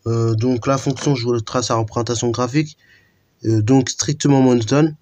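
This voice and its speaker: A man's voice: mid-range voice, fairly even intonation, moderate pace, darkish tone. Guy walking students through a math theorem, loose and chatty, lots of ums, medium voice. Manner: informal, lots of fillers and restarts. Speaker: math teacher. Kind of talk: explaining a math lesson.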